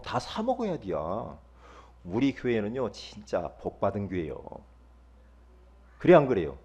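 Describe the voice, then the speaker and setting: Man, pastor, sermon, husky, sweeping pitch, talks with the congregation. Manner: animated, conversational, often questions the congregation. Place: church.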